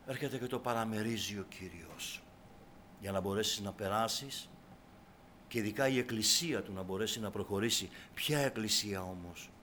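A man preaching a sermon to a congregation, exhorting them and repeating his calls, swinging from soft, low asides to loud, fervent cries. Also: a little hiss or hum.

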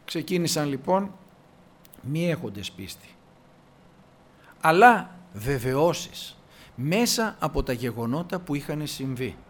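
A man preaching a sermon, his voice pitched high for a man and swinging widely up and down. He tells stories animatedly, acting out the dialogue and repeating words for emphasis. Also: very animated, long pauses.

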